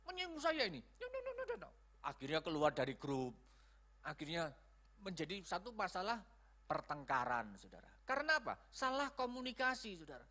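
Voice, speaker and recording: A man's voice: high-pitched, sharp tone. A man preaching a sermon as pastor, acting out quoted lines in changed voices. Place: church hall.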